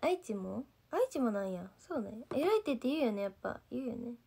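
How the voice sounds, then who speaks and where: A young Gifu-born idol trainee talks fast on a casual livestream, reading fan comments in mostly standard Japanese with a light Gifu accent. Her slightly high voice is sing-song yet creaky, husky, and dark-toned. She rambles, loses her thread, and packs her speech with fillers like "nanka."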